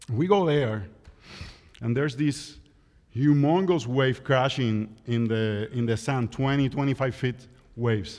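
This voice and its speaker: With a Puerto Rican accent, a man speaks at medium pitch and a fairly slow pace, using ordinary pitch variation and long, frequent pauses. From Puerto Rico. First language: Spanish. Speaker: visiting preacher. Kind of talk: sermon. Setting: church.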